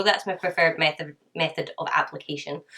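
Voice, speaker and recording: This woman speaks very fast. She has a Scottish accent. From Scotland. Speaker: beauty vlogger. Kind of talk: product review. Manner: mumbling.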